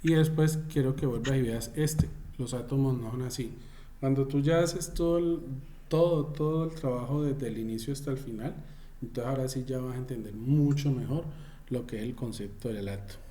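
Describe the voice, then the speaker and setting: A man's voice: medium pitch, normal speed, dark tone. A man teaching an online class over a video call, repeating and restating his points and calling on students by name.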